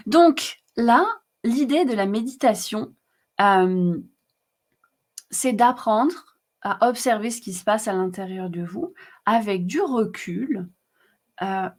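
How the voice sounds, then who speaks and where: Woman, live-stream host, chatty, repetitive, many fillers, middle pitch. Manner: warm, chatty, frequent fillers and repetitions, laughs often. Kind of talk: casual live teaching, reading comments.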